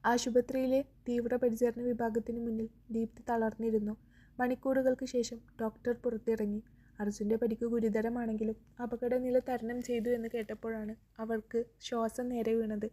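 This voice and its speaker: Woman narrating a story, mellow and husky. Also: a little high, normal speed. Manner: steady storytelling. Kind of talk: scripted narration.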